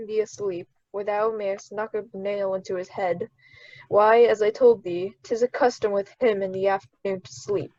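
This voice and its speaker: A woman's voice: mid-range voice, dark tone, no echo, highs cut off, close to an everyday voice. A woman playing a bitter, scheming male enslaved monster in a Shakespearean radio play, speaking formal archaic verse. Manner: formal archaic verse delivery, plotting and urging.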